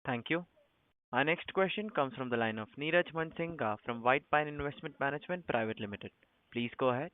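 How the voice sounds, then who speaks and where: A man's voice: medium pitch, fairly quick. A man moderating a conference call as operator with scripted announcements. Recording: narrow tinny phone line.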